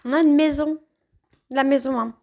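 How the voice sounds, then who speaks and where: A woman's voice: high-pitched, fairly even intonation, moderate pace, vocal fry, dark tone. A woman with a light northern French ch'ti accent reads tarot cards aloud. She talks in a loose, conversational way and drops a "hein" at the end of many phrases. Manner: chatty, frequent "hein" tags. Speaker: tarot card reader. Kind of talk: casual spoken tarot reading.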